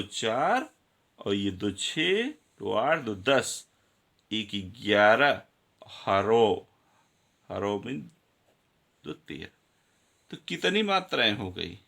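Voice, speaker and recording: A man's voice: fairly low pitch, gravelly, a bit bright. A male teacher giving a grammar lesson, counting syllables aloud and speaking directly to his students.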